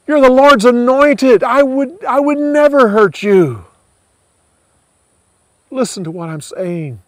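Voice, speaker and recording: A man's voice: very high-pitched, expressive, slow, no room sound, pitched above the performer's own voice, exaggerated voice. A man voicing a young male hero who earnestly pleads with his king in a Bible story. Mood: pleading.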